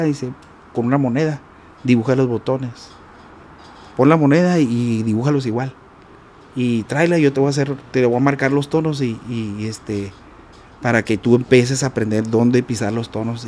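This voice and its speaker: A man with a Mexican accent, a guest musician telling a story in a casual interview, animated and repetitive, sometimes mimicking notes with "ta ta". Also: mid-range voice, slight background noise.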